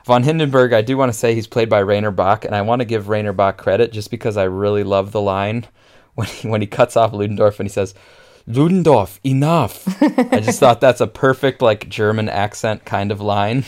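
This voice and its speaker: A man with a low, smooth and resonant voice talks through a film scene in relaxed podcast chat. He sounds keen, with plenty of "like" and "um" along the way. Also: moderate pace. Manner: enthusiastic, frequent fillers and laughs. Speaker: podcast co-host. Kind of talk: casual film discussion.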